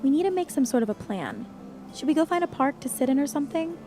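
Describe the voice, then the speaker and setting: A woman's voice: sits high, sing-song, fast talker, music in the background. A woman playing a practical, matter-of-fact young water nymph in a naturalistic audio drama. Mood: wry, nostalgic.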